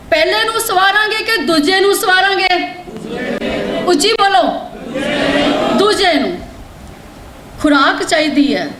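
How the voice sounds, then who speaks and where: A woman giving a lecture to students, quizzing them and pressing them to answer louder. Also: very high voice, slight background noise. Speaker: guest speaker addressing students. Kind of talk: lecture with call-and-response. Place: large hall at a religious college. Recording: echoey hall with faint ambience.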